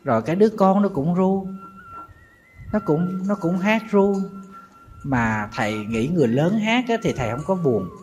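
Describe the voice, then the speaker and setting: A man's voice: sits high, expressive, moderate pace, a little mellow, soft background music. A middle-aged man, a Buddhist monk with a Southern Vietnamese accent, telling a sad story in a sermon and speaking straight to his listeners. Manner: mournful storytelling, calls himself teacher and addresses listeners directly.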